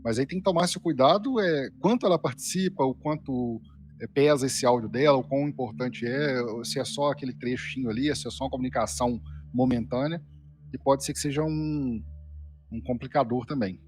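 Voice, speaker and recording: A man's voice: mid-range voice, brisk, darkish tone. A Brazilian man speaking as a guest reviewer, explaining a casual critique somewhat hesitantly. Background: faint background music.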